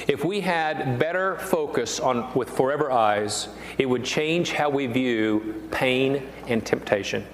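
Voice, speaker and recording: A man's voice: mid-range voice, a little hiss or hum. An older man, a pastor, preaching a sermon in an earnest, emphatic way and repeating his key phrases. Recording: echoey hall reverb, faint ambience.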